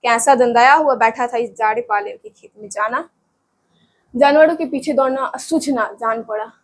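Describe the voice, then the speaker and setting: A woman's voice: fairly high pitch, normal speed. A woman teacher reading a story aloud for students, often breaking in to explain it in plain everyday speech and check that they follow.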